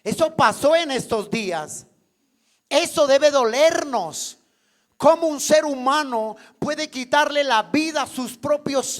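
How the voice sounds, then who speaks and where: High-voiced, slow-preaching pastor. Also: male voice. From Colombia. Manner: preaches with rhetorical questions, prompting the congregation to answer; emphatic, stretches key words. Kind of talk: sermon. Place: church.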